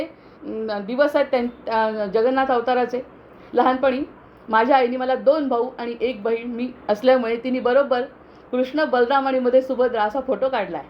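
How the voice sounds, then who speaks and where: Woman speaker, high voice, slow devotional chanting and teaching talk, slightly dull recording with faint hiss. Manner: slow measured chanting of Sanskrit verses; explanatory, self-correcting talk with fillers. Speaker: spiritual discourse speaker. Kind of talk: devotional chanting then spiritual discourse.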